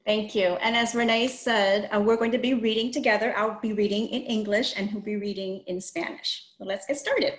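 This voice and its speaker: A woman's voice: medium pitch, moderate pace, hardly any pauses. A middle-aged woman hosting a picture book read-aloud over a video call. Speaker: host reading a children's book. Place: plain small room, indoors. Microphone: video call computer microphone. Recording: roomy, echoey video call.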